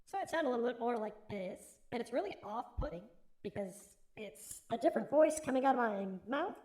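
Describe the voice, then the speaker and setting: A man's voice: lively intonation, a little fast, a little mellow. A man talking through a voice changer that shifts his voice up into a woman's range, chatting casually and rambling as a live streamer. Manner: chatty, rambling, self-amused. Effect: voice changer shifting his voice higher, to a woman's range.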